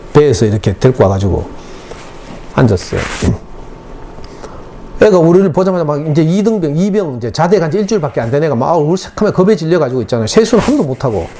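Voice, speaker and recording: A man's voice: on the high side, warm tone, slight background noise. A middle-aged man with a Gyeongsang Korean accent, a parenting lecturer telling an emotional story to parents at a school talk. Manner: emotional storytelling, dialect speech.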